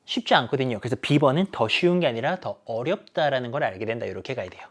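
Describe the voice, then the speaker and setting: A man teaching an English exam lesson, emphatic and animated, asking questions and answering them himself. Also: mid-range voice, fast. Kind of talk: exam explanation lecture.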